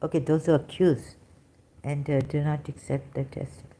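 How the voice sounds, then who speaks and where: A woman with a low, mellow voice talks through a personal monologue. She stops often, fills gaps with hesitations and restarts her phrases while she hunts for words. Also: fairly even intonation. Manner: halting, searches aloud for words, many fillers and restarts. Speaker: vlogger.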